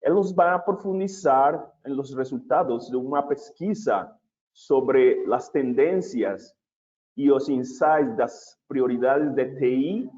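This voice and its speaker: A man opening and presenting a webinar in a measured, deliberate way, with occasional restarts. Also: medium pitch, a little mellow, lo-fi sound.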